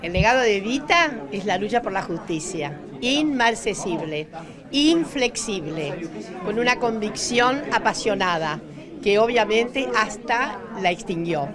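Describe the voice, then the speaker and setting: A woman's voice: medium pitch, lively intonation, measured pace. A woman answering an interview in an oratorical manner with ornate phrasing. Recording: busy crowd behind.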